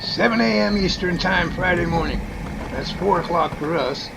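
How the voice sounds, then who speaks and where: A man puts on a gravelly, folksy professor for a homemade radio play. The voice is fairly high and creaky, wordy and enthusiastic in explanation. Loud background noise runs underneath. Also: normal speed. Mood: explaining. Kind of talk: amateur radio drama acting.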